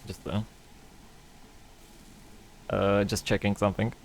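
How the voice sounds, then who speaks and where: Male streamer talking casually over gameplay, sarcastic and joking, on the low side. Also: monotone, takes it slowly, vocal fry, slight background noise. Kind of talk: casual gaming stream chat.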